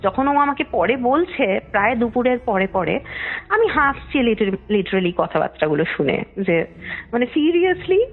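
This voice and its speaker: A woman's voice: on the high side, big pitch swings, a little slow, slightly rough. A young woman caller telling a story in a chatty, rambling way, often trailing off mid-sentence. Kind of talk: casual storytelling on a call. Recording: tinny phone line with faint music.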